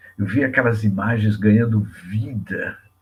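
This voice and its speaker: A man's somewhat breathy voice of fairly low pitch at a fairly slow pace, with audible room echo. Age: 60s. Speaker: spiritist lecturer. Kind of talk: spiritual lecture.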